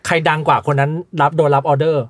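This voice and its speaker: A man from Thailand chatting and telling stories casually as a podcast co-host, expressive and free with coarse slang. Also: a little high, quick pace, dry recording. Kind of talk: casual storytelling chat.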